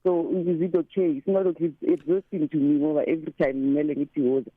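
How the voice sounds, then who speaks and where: A woman in her thirties with a deep voice, calling a radio show and mixing English with Zulu. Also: level tone, fast talker, no echo. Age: 30s. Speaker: caller. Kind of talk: phone-in call to a radio show. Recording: tinny phone line, dry.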